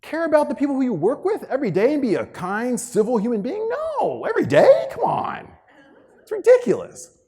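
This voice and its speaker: Male speaker playing an incredulous false ally in a stage anecdote, squealed high, swooping, exaggerated mock outrage. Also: huge pitch swings, fairly quick, darkish tone, slightly rough, full character voice. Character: mock-sympathetic man, feigning outrage at simple demands.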